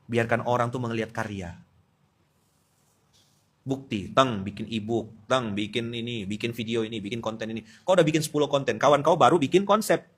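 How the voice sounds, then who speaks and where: A man with a Pontianak Malay accent preaching a dawn sermon, teasing his listeners and swinging between loud outbursts and quiet asides. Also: medium pitch, fairly quick, breathy edge. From Indonesia. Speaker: Islamic preacher. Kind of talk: dawn study-circle sermon.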